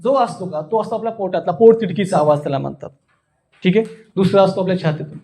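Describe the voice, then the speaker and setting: A man's voice: high-pitched, quick pace, warm tone. A man with a Marathi accent teaching an interactive public speaking workshop, demonstrating and often checking understanding with questions.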